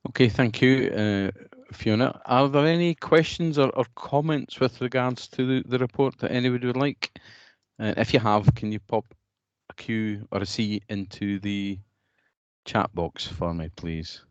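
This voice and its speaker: A man's voice: mid-range voice, normal speed, clear, resonant tone, dry recording, lo-fi sound. A man chairing an online meeting, hesitant with many fillers and restarts.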